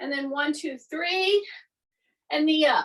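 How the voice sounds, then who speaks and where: A woman's raised, projected voice, high in pitch and bright and sharp in tone, at a very slow pace. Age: 70s. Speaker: fitness instructor. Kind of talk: exercise class instruction. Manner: casual, chatty.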